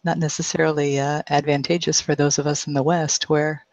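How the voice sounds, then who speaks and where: A man's voice: fairly high pitch, level tone, fairly quick, vocal fry, darkish tone, no room sound. A man in a casual conversation, asking questions in a tentative, hesitant way.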